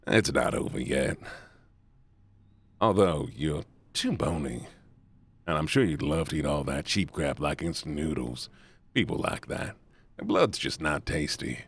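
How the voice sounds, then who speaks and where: A man voicing a calm, threatening male vampire in a visual novel, speaking low and slowly with quiet menace. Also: husky, exaggerated voice. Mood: disdainful.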